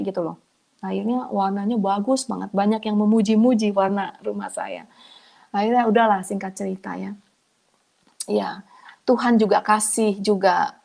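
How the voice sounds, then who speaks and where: A woman shares her personal testimony in a casual, storytelling way, at an average pitch. She gets animated, backs up to restart her sentences, and acts out what she and others said. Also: vocal fry. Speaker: testimony speaker.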